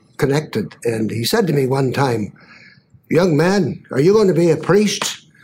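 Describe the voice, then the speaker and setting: A man's somewhat breathy voice with an American accent, lively intonation and a fairly slow pace. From Eastern Oregon, US. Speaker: retired archbishop. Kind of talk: interview conversation.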